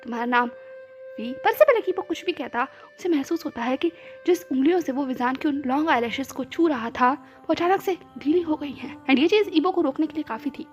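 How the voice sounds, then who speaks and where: A woman's voice: high-pitched, expressive, fairly quick. A woman narrating a romance story, mixing English words into her telling. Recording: soft background music.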